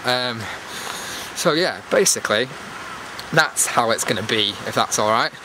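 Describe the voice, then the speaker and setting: A man's voice: mid-range voice, expressive, a little slow. A man chatting casually to his viewers in a rambling, self-deprecating vlog, talking into a handheld camera as he walks outdoors. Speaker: YouTube host. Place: outdoors, walking in a public area. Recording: clear outdoor background noise while walking.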